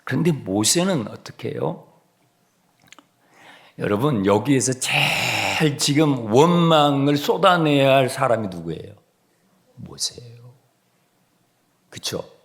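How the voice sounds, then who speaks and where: A male pastor preaching an expository sermon, animated, sometimes dropping to a hushed whisper for emphasis. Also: medium pitch, measured pace. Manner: animated, acts out complaining voices and sings hymn lines.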